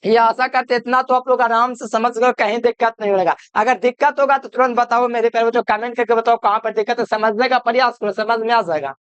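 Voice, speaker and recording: A man's voice: extremely high pitch, fairly even intonation, fast talker, few pauses, a bit bright, clean tone, no room sound, highs cut off. A man giving a chemistry video lecture, repeating each point and quizzing the listener with call-and-answer questions. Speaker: chemistry teacher. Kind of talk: classroom-style video lecture.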